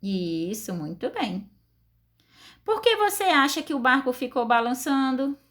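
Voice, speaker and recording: In a recorded class lesson, a woman teacher with a Brazilian Portuguese accent talks slowly and deliberately, her pitch swinging widely in a sing-song, fairly bright tone. She guides her pupils step by step and keeps questioning them.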